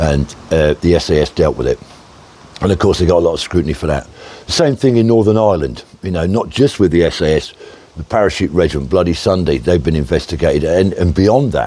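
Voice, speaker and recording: Over noticeable background noise, a man with a British accent talks at a very fast pace, with lively intonation and a very deep, low pitch. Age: 60s. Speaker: army veteran vlogger. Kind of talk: casual vlog commentary. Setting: outdoors on a walk. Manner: conversational, with fillers and restarts.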